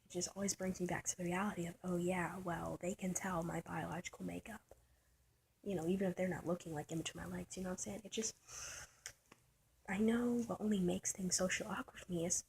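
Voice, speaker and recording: A trans man with a soft, light voice, thinking aloud in a personal vlog, halting and searching, often trailing into a whisper. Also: high voice, little pitch movement, vocal fry, slight background noise, low-quality recording. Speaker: vlogger. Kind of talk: personal reflective vlog monologue.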